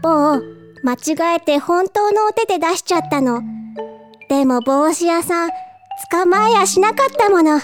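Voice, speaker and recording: A woman voicing an innocent, cheerful little boy fox cub in a storybook reading, with bright, eager childlike chatter. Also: very high voice, lively intonation, a little slow, soft background music, voice pushed up.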